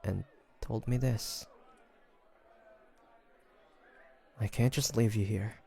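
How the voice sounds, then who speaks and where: A man playing a haunted, earnest hunter in his twenties, telling his story haltingly in an audio roleplay. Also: on the low side, fairly even intonation, vocal fry, mellow, slight background noise. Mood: subdued, tender. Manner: halting, confiding, sighing between phrases. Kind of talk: dramatic audio roleplay, first-person storytelling.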